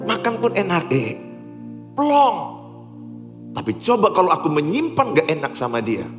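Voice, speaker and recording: Guy preaching, voice jumps up and down a lot, high for a man, echoey church hall. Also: wildly swooping pitch, moderate pace, soft background music. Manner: preaching with sharp swings between loud emphatic lines and low quiet ones. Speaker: pastor. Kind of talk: sermon.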